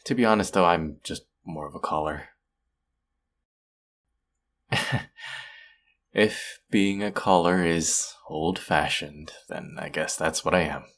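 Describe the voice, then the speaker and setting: A man's voice: sits low, slow, long pauses, full character voice. A man playing an awkward, apologetic and sweet young man who rambles nervously on the phone in an intimate audio roleplay. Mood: sheepish, explaining. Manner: rambling, hesitant, self-deprecating, soft chuckles. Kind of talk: intimate one-sided audio roleplay, conversational.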